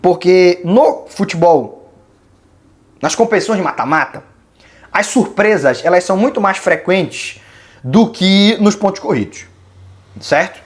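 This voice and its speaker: A host from Belém do Pará, Brazil, with a Brazilian accent, answering viewer questions in casual, opinionated commentary and reasoning out loud. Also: mid-range voice, lively intonation, unhurried, long pauses. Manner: opinionated, colloquial, reasoning aloud. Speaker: channel host.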